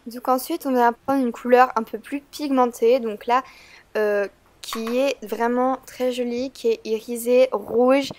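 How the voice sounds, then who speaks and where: Stuffy-voiced woman with a fairly high pitch. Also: fairly even intonation, a little slow, a little mellow. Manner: chatty and hesitant, frequent "euh" fillers. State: stuffy-nosed from a cold. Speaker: beauty vlogger. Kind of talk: makeup tutorial vlog.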